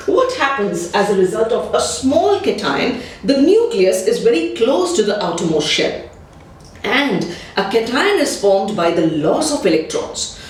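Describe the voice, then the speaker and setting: A woman chemistry teacher giving a patient, step-by-step explanatory lesson. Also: fairly high pitch. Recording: echoey room, distant mic.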